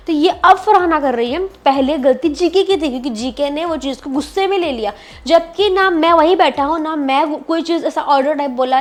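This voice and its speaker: High-voiced chatty woman recapping. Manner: chatty, repetitive retelling with frequent "bhai"; mixes English words into Hindi. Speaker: reality show recap presenter. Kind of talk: casual spoken recap.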